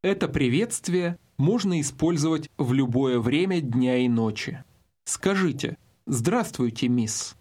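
A man narrating a scripted language course, giving slow, deliberate instructions. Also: mid-range voice, animated, a little mellow, husky.

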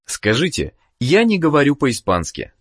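A man narrating a language course, giving the listener clear prompts and questions to answer. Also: fairly high pitch, huge pitch swings, normal speed. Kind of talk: scripted instructional narration.

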